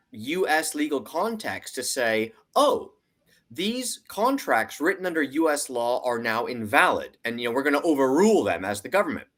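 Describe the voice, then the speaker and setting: A man's voice: medium pitch, sharp tone. A man giving conversational analytical commentary as a financial analyst, explaining emphatically and acting out hypothetical arguments.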